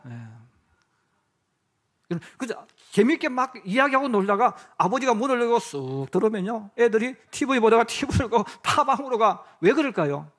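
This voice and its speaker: A man's voice: very high voice, animated, moderate pace, fairly bright tone. A male pastor preaching a sermon in a church. He keeps putting questions to the congregation and answering them himself. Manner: addresses the listeners directly and often. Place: church sanctuary.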